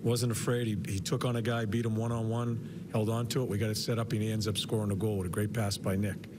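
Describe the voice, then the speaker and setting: An older man in his sixties, head coach at a postgame press conference, talks in a fairly low voice, stumbling and repeating words between fillers. He is picked up by a podium mic in an arena press room. A steady hiss of background noise runs under the broadcast feed. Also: fast. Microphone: podium mic, medium camera shot.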